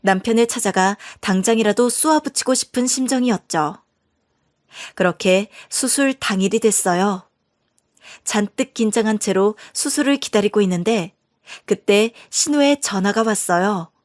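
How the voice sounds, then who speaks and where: A woman's voice: mid-range voice, normal speed, dry recording, clean studio sound. A woman narrating a scripted first-person story in an earnest, indignant storytelling manner.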